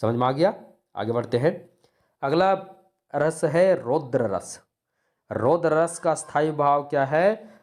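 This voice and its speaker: A man's voice: fairly high pitch, animated, slow pace, pauses often, darkish tone. A male teacher giving a lesson on poetry, asking questions and answering them himself, and reciting verses with rising emphasis.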